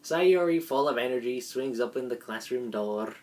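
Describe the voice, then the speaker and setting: A woman's voice: rumbling low, expressive, normal speed, darkish tone. A woman reading a visual novel script aloud as narrator, with game music behind her.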